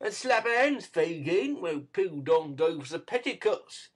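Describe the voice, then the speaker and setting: A man voicing a quick-witted young pickpocket in a storybook reading, hissing out sharp orders. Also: high-pitched, sing-song, husky, heavily acted. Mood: urgent.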